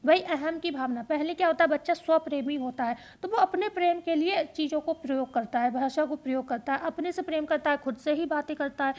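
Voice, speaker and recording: A woman teaching an exam-prep lesson, explaining step by step and repeating key points as quick questions and answers. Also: high-pitched, darkish tone.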